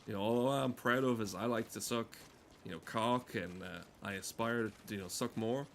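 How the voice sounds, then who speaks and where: A man's voice: fairly low pitch, moderate pace, a little hiss or hum. A man giving crude, comedic, rambling commentary while playing a game, swearing often. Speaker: gamer talking over gameplay.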